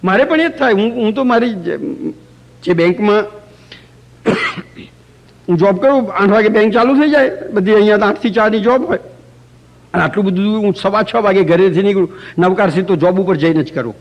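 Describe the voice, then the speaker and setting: A man's voice: high-pitched, moderate pace. A man teaching a religious workshop to a live group, telling anecdotes with light humor and chanting example phrases aloud to show how they sound. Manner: storytelling, demonstrates chanting aloud. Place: community center hall.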